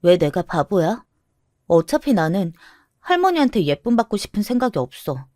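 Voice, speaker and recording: Storybook casting: a woman doing a stubborn young girl, lively and defiant, dry close mic. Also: lowish voice, moderate pace, no echo. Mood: sulky. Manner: sulky, defiant. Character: teenage girl, resentful and stubborn.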